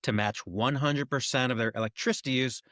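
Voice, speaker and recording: A man's voice: mid-range voice, fairly quick, a bit bright, no room sound. A man hosting a trivia podcast, cracking dry jokes in casual banter. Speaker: podcast host.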